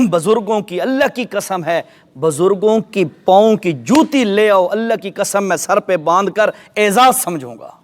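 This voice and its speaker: A man preaches in a mosque, telling a story with lively, animated delivery. His voice sits high for a man. He often turns to ask his listeners whether they follow. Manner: animated storyteller, addresses audience directly. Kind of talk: sermon storytelling.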